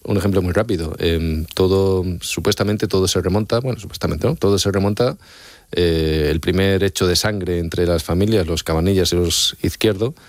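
A man's voice: low-pitched, moderate pace, no echo, studio quality. A man from Extremadura, an author being interviewed, explaining his research earnestly and often checking in with his listener. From Extremadura, Spain. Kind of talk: radio-style interview answers.

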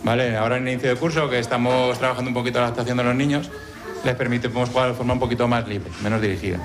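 A quick-speaking male preschool teacher with a Spanish accent, explaining how his classroom works in a patient, clear way. His pitch sits mid-range. The words come quickly. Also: fairly even intonation. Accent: Spanish from Spain. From Madrid, Spain. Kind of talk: interview answers. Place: school classroom.

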